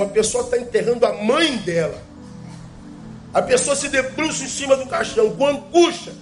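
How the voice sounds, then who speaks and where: A male pastor, preaching a sermon emphatically with rhetorical questions and slowly repeated key phrases. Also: very high voice.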